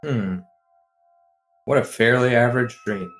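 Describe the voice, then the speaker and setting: Slow-talking man playing a tabletop game. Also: medium pitch, a bit bright, faint music behind. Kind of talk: casual in-game talk.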